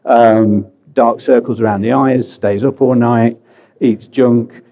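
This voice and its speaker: A British man giving a relaxed, chatty conference talk, full of fillers and self-deprecating asides. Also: medium pitch, takes it slowly. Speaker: conference speaker. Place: conference hall.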